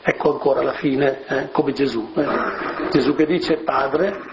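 A man giving a homily on scripture in a conversational way, with rhetorical asides and soft fillers. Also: medium pitch, steady tone, a little slow. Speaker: preacher. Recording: muffled lo-fi recording with faint hiss.

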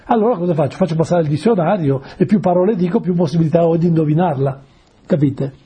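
A man delivers a conversational sermon in a deeply husky voice that sits fairly high yet sounds very dark and mellow. He explains words patiently and keeps checking in with his listeners through rhetorical questions. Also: fast talker. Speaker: preacher.

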